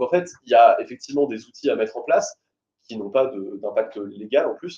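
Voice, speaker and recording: A man talks at a fairly quick pace. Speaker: training consultant presenting research. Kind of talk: webinar presentation. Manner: fast; hesitant, many fillers.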